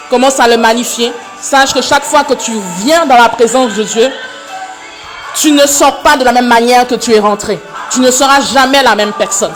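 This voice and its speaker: Fervent woman leading prayer, high voice. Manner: fervent, repetitive, often near shouting. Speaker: prayer leader. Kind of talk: online prayer session and exhortation.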